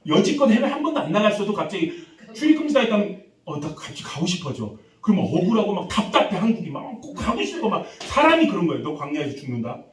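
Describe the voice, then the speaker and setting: A man preaching a revival sermon as a pastor, lively and acting out the people he quotes while quizzing the congregation. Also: high-pitched, quick pace, hardly any pauses. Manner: animated, acts out quoted voices, quizzes congregation. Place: church sanctuary. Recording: echoey church hall, distant mic.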